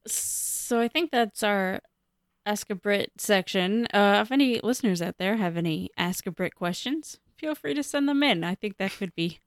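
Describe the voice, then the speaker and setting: A woman with a clear, smooth voice of medium pitch hosts an informal podcast chat. The sound is close and dry, and she speaks conversationally. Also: animated, moderate pace, dry recording. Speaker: podcast host. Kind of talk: casual hosting chat.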